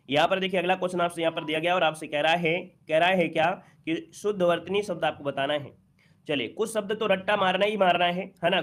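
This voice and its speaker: A man's voice: a little high, fairly bright tone. A man teaching an exam-prep Hindi spelling lesson, repeating key points and asking the class rhetorical questions, then answering them himself.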